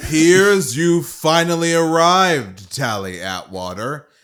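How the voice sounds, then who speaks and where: Doing a put-on character voice, a man speaks fairly slowly at a fairly high pitch with very wide pitch swings. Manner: menacing, imposing.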